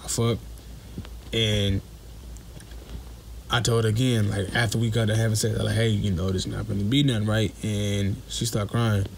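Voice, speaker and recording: A young man with a low voice tells a personal story in a casual voice message. He is blunt and curses freely, and acts out the dialogue as he goes. Faint noise sits behind him. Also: level tone, normal speed, gravelly, pauses often. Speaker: listener sending a voice message.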